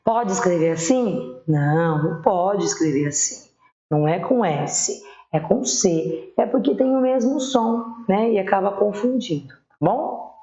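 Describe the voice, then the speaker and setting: A woman's voice: medium pitch, expressive, warm tone. Patient woman teacher with Brazilian accent. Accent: Brazilian Portuguese. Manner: patient, spells out words slowly. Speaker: primary school teacher. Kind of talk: online spelling lesson. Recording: echoey room, dull lo-fi sound.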